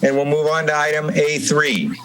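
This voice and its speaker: A man with a slightly high voice chairs a formal meeting. He moves through procedure deliberately, with halting pauses. There is faint noise on the meeting-call recording. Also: steady tone. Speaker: commission chairman. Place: remote meeting over Zoom.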